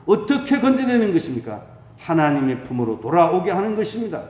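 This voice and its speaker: Fervent higher-voiced male preacher in echoey room. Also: very animated, fairly quick, a little mellow. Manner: fervent, exhortatory; asks rhetorical questions and answers them. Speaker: pastor preaching. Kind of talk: dawn prayer sermon. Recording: echoey room with faint background noise.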